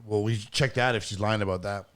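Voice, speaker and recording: Low-voiced man in casual conversation. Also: fairly even intonation, fairly quick, over a noisy crowd. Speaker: podcast co-host. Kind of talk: casual podcast discussion.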